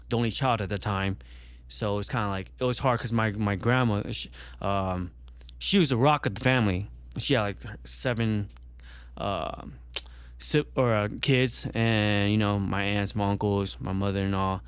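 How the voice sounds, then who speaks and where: A man's voice: fairly low pitch, clear, resonant tone, no echo. A young man born in Vietnam, talking casually on a podcast and rambling with many fillers and restarts. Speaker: podcast guest.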